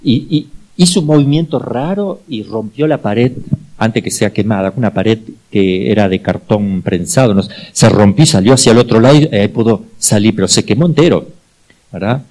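A man's voice: normal speed, a little mellow, rough recording. An older man preaching a sermon as a priest, telling stories and acting out voices. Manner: storytelling, acts out voices with sudden high pitch jumps.

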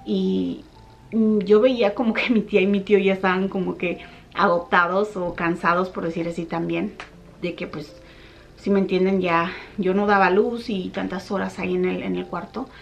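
A young woman vlogger casually telling a personal story to her viewers, animated when she retells what people said. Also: medium pitch, moderate pace, gravelly, dull audio, soft background music.

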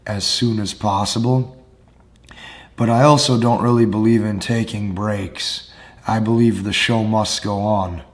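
A man in his thirties with a hoarse, nearly lost voice, speaking slowly and deliberately as a dating coach addressing the camera indoors. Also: lowish voice. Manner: slow deliberate delivery with emphatic hand gestures. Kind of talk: direct-to-camera advice talk. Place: indoor studio with lit brick wall.

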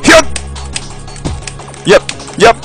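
A man streaming a video game live, shouting attack cries, trash-talking opponents and talking to his viewers. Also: extremely slow, over loud music. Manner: theatrical address to viewers.

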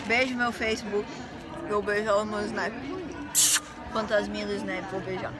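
A woman's voice: medium pitch, flat delivery, normal speed. A woman, vlogging in a playful, teasing chat, filmed on a phone at arm's length. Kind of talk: casual vlog chat. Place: busy airport waiting area. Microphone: phone camera at arm's length. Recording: busy crowd chatter behind.

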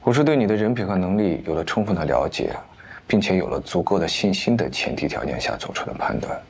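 A wealthy investor in his thirties, rational and self-possessed. His voice is low and deliberate, in natural TV drama dialogue with light room noise behind. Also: expressive. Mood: calm, assured. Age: 30s. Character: composed, confident wealthy investor, rational and devoted.

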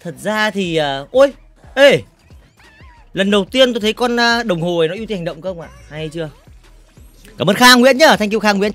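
A man livestreaming a game in casual chat, reading out viewer comments and teasing them, often repeating words in quick bursts. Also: high voice, a bit bright. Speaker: gaming livestreamer.

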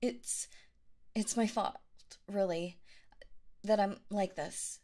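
A woman's voice: medium pitch, slow, warm tone, lightly acted. Woman voicing a stammering, clingy yandere girlfriend. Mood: stammering sweet.

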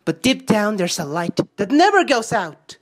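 A woman's voice: mid-range voice, big pitch swings, normal speed. Woman as a plucky, swooping-voiced boy hero. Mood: determined. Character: plucky, determined, heroic young boy. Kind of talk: video game hero impression.

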